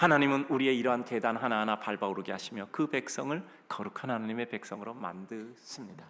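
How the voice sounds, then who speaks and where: A man rushes along at a very fast pace, his medium pitch showing ordinary pitch variation. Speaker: senior pastor. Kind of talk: sermon. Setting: church.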